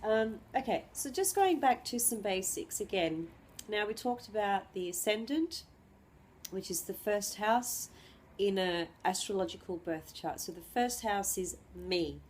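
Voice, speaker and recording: A woman astrologer with the flu giving an unscripted lesson, clearing her throat and pausing often with ums and restarts. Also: medium pitch, expressive, darkish tone, a little hiss or hum. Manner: hesitant, many ums and restarts.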